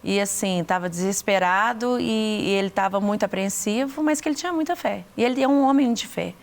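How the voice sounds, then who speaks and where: Gravelly Brazilian woman giving testimony. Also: medium pitch. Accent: Brazilian Portuguese. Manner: earnest, repeats words, halting restarts. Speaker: interview guest giving testimony. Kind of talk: emotional faith testimony.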